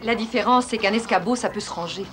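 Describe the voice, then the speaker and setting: A woman's voice: mid-range voice, fast, fairly bright tone, a little hiss or hum, lightly acted. A woman playing a bossy, sarcastic young girl in a French-dubbed cartoon, with a dry, scolding manner. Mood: matter-of-fact.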